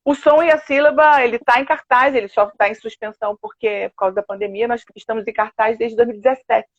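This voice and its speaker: An older woman with a Brazilian Portuguese accent, a singer telling stories with lively quoted asides in a casual interview. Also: fairly high pitch, fast talker, no room sound. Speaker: guest, opera and musical theatre singer. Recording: dull, dry video-call audio.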